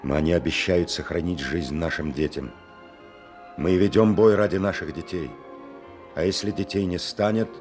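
An actor playing a grave, fatherly army major commanding a besieged fortress in a radio drama, with a deep husky voice. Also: normal speed, darkish tone, soft background music, lightly acted. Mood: heavy-hearted, firm.

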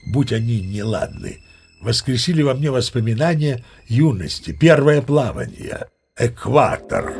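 An actor playing an old sea captain, spinning tall tales in a leisurely, self-important, theatrical way for an audiobook drama. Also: male voice, mid-range voice, vocal fry. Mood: nostalgic, savouring. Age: older. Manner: leisurely, pompous, savouring pauses and asides.

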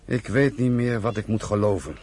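An actor playing an emotional, disillusioned young Jewish migrant in an impassioned radio play style, with a husky voice. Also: male voice, fairly low pitch, normal speed, darkish tone, natural voice. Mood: bitter, disillusioned. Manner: impassioned, exclaiming. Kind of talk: Dutch radio play acting.

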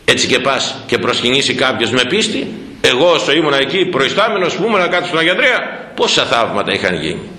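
A man, a priest, preaching a sermon as animated storytelling, asking rhetorical questions and repeating words. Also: medium pitch, echoey room, rough recording. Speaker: priest, former head of a parish church.

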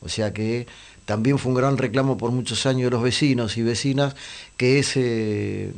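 A man, hoarse and losing his voice, chatting on radio with many pauses and fillers. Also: mid-range voice, steady tone. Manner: hesitant, many fillers and restarts. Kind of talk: casual radio chat.

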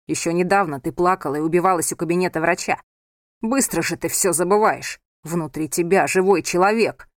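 A woman's voice: lowish voice, moderate pace, dry recording, studio quality, lightly acted. Woman voicing a stern, scolding young husband. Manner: harsh, scolding, hard-edged. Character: stern angry young husband, controlling and forceful.

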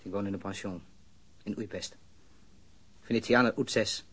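A man's voice: on the low side, steady tone, normal speed, fairly bright tone, husky. An actor playing a guarded suspect in his thirties under questioning in a radio drama, terse and faltering. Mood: guarded, flat. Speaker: interrogated suspect.

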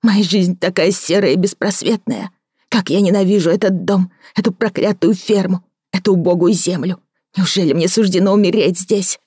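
A bitter, jealous woman hurls scornful accusations in a shrill, overwrought voice, as a female reader puts her on. The sound is dry and close, with nothing behind it. It is an audiobook character voice. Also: fairly even intonation, moderate pace, darkish tone, husky, no room sound. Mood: weary, pleading.

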